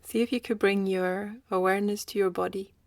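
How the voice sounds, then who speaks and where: A woman guides a meditation, speaking gently and leaving long pauses between short phrases. Her voice has a noticeable creak at a middle pitch. The sound is very dry, with no room around it. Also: little pitch movement, no room sound.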